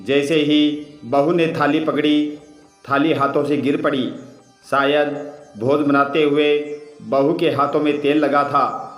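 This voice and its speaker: A man slowly narrating a story in a scripted style, in an even voice that barely moves. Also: on the high side. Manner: slow, even delivery, voicing lines in dialogue. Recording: roomy, distant, with music underneath.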